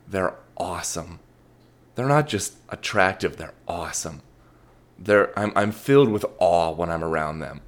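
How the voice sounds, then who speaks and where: A young adult man hosting a podcast, telling a rambling, self-deprecating story and swearing casually. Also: mid-range voice. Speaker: podcast host.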